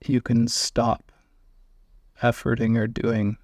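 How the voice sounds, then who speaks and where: Male meditation guide: even, unvarying pitch, close dry sound, gentle spaced-out instructions. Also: no room sound. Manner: gentle instructive phrasing with long pauses.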